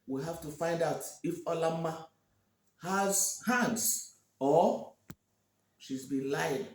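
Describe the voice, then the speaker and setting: A man doing a booming proud king. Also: slow pace, reverberant. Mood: suspicious. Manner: commanding, booming. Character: proud angry king of a village kingdom.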